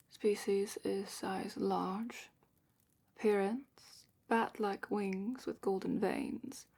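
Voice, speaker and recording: Woman as slow, breathy, whispering dragon instructor. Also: mid-range voice, heavily acted. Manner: hushed, unhurried, explanatory. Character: female dragon expert, calm, matter-of-fact instructor. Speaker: ASMR roleplay performer. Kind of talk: soft-spoken fantasy ASMR roleplay, partly whispered.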